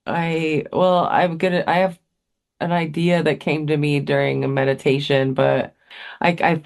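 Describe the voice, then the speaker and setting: A woman's voice: low-pitched, level tone, unhurried, vocal fry, darkish tone. A woman co-hosting a podcast in casual chat, laughing often and swearing freely. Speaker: podcast co-host.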